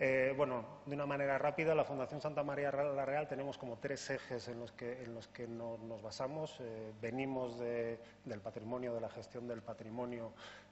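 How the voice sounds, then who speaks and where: A man with an ordinary speaking voice talks at a medium pitch and moderate pace, with hardly any pauses. His intonation is fairly even, and there is light background noise. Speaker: panelist. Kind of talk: panel discussion. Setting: stage with audience. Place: stage.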